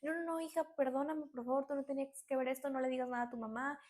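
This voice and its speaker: Woman doing a frantic older lady begging, lots of "ay", pretty high voice. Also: completely flat delivery, fast, warm tone. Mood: distraught pleading. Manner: pleading, sighing "ay". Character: tearful older woman, pleading grandmother.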